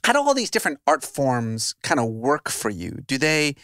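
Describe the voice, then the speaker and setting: Playful middle-aged podcast host, dry sound. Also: male voice, medium pitch, very animated, moderate pace, bright, forceful tone, no echo. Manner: playful, jokey, asks long rambling questions. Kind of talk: casual interview. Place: home study with bookshelves. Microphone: studio mic on boom arm, headphones.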